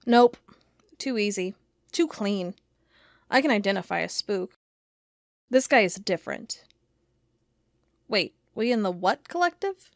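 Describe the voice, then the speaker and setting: An actress playing an intense, stubborn investigator of strange creatures in an audio drama, with a dramatic, expressive delivery. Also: female voice, medium pitch, measured pace, long pauses, no room sound, clean studio sound. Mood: sardonic, insistent. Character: driven female cryptid investigator, sardonic, intense, stubborn. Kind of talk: audio drama narration and dialogue.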